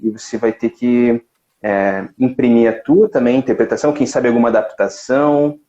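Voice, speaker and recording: Mellow, measured male interviewer. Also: medium pitch, fairly even intonation, highs cut off. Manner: measured, reflective questions. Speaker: interview host. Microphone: live video stream.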